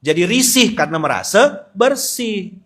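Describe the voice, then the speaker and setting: Man in his forties, preacher, bright ringing voice, joking sermon style. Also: high voice, a little slow. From West Kalimantan, Indonesia. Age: 40s. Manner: lively and humorous, with sudden loud emphatic bursts. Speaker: Islamic preacher. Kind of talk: sermon at a dawn study gathering.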